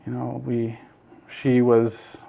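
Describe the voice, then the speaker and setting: A creaky, warm, mid-range male voice goes slowly and in a monotone. He is a middle-aged man from South Texas, Basque his first language, relating his family story in casual interview storytelling with frequent fillers and restarts.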